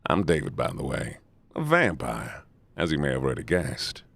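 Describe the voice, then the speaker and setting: A man voicing a calm, threatening male vampire in a visual novel, speaking low and slowly with quiet menace. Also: creaky, heavily acted. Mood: menacing.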